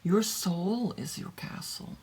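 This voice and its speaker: Slow, husky woman. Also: fairly low pitch. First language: German. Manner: slow, soft, drifting into whispers, thinking aloud. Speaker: tarot reader. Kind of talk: meditative tarot reading, partly translated.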